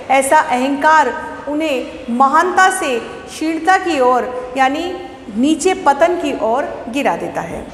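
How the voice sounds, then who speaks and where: Patiently explaining each point, a school Hindi teacher with a fairly high voice asks children questions and answers them herself. She sounds like she's in a classroom, and the recording is roomy, with a long reverb tail and faint ambient noise behind her.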